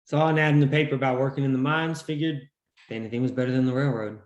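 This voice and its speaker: A man's voice: mid-range voice, steady tone, quick pace, dull audio, close to an everyday voice. A man playing a polite, nervous young newcomer to the coal mines in a screenplay table read, hesitant and deferential. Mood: polite, uneasy. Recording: echoey, roomy sound.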